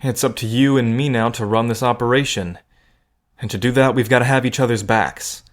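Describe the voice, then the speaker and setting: A man's voice: mid-range voice, steady tone, brisk, lightly acted. A man acting in an audio drama as a protective, wry cousin in a gambling scheme, talking in an earnest, conversational way. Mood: reassuring, earnest. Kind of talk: scripted audio drama acting, addressed to the listener.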